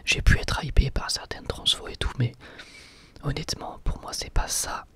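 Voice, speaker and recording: Viewer questions get answered here by a male ASMR host whose whisper is gentle and unsure, broken up by many pauses.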